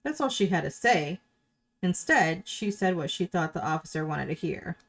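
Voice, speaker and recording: A woman's voice: fairly low pitch, expressive, normal speed, gravelly. A middle-aged woman commenting in a casual, opinionated, questioning way.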